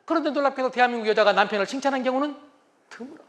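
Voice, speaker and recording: A man giving a humorous lecture on couples' communication, animated and acting out what spouses say. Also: extremely high pitch, racing. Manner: animated, acts out spouses' lines.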